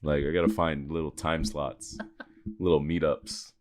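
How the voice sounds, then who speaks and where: A man's voice: very deep voice, level tone, a little slow, a little mellow. A man in his twenties speaking as a podcast guest in casual chat, candid and talkative. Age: 20s.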